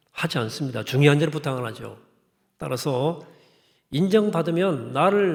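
A man's voice: a little high, gravelly. A middle-aged male pastor giving a sermon in a conversational way, asking the congregation questions and reading scripture in a formal cadence. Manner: conversational preaching with rhetorical questions.

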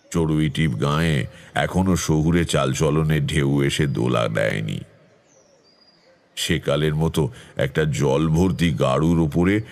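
Very deep, brooding storyteller. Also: male voice, full character voice. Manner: measured, brooding. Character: brooding male tantric storyteller recalling eerie village tale. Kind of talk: dramatic first-person horror narration.

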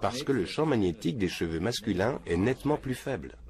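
A man's voice: on the low side, animated, fairly quick, a little mellow. An older man answering interview questions in a matter-of-fact, earnest way, seated in a small room. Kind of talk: documentary interview. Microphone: film crew mic off camera.

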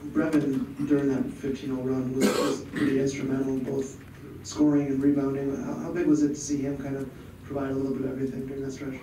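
A man's voice: medium pitch, flat delivery, quick pace. A male sports reporter asking rambling, multi-part questions at a postgame press conference. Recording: very echoey room, far from mic, background noise.

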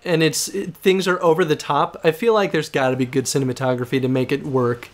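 A man's voice: fairly high pitch, steady tone, a little fast, a little hiss or hum. A man co-hosting casual, analytical game commentary, thinking aloud in a conversational, hedging way. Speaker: video game show co-host.

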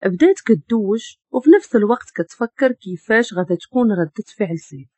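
A woman's voice: mid-range voice, expressive, brisk, warm tone, slightly rough, no room sound. A woman with a Moroccan accent narrating a dramatic family story.

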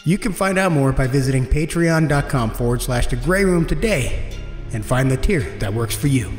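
A man's voice: mid-range voice, expressive, moderate pace. A man presenting a podcast, reading scripted credits and announcements to listeners. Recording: echoey, reverberant, soft music underneath.

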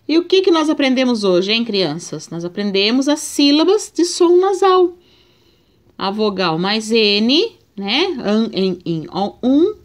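A Brazilian woman teacher speaks to young pupils in a recorded literacy lesson, sounding out words syllable by syllable. Her pace is slow and patient, her pitch in a middle range. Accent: Brazilian Portuguese. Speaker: primary school teacher.

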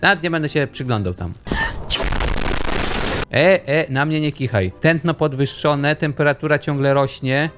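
A man's voice: a little high, moderate pace, music in the background. A young man giving playful, jokey commentary while playing a video game and chatting with its characters. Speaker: gaming YouTuber. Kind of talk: let's play commentary.

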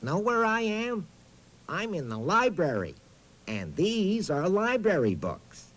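A man's voice: high-pitched, big pitch swings, slow pace, fairly bright tone, full character voice. A man voicing a friendly, absent-minded talking boot who hosts a children's reading show in a hesitant, chatty way. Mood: chatty, quizzing. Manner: hesitant, bumbling, chatty, hums nonsense syllables. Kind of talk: playful children's educational presenting.

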